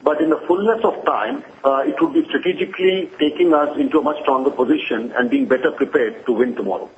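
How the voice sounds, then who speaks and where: A man speaking as a company executive on an earnings call, explaining in a measured, reassuring way. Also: medium pitch. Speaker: company executive answering analysts. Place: conference call. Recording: roomy, dull conference line with hiss.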